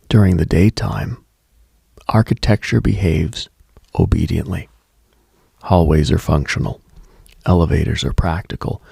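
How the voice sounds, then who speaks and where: A man hosting late-night radio, delivering a slow, atmospheric monologue in a hushed, deliberate, husky voice that slips toward a whisper. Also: on the low side, no echo. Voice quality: gravelly, husky, breaking into whisper. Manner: hushed, deliberate, storytelling with pauses.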